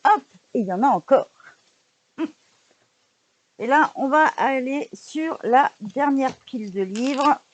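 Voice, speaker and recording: A woman's voice: high voice, lively intonation, slow, pauses often. A woman vlogger in casual chat, showing books she bought, hesitant with frequent fillers and restarts, recorded indoors at home. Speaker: vlogger showing a book haul.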